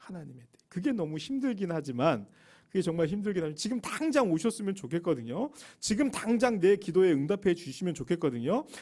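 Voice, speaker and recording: On a very clean recording with a silent background, a man with a high, dark, mellow voice speaks at a fairly quick pace, with very wide pitch swings and big swings in loudness. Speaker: pastor at a military church. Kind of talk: sermon.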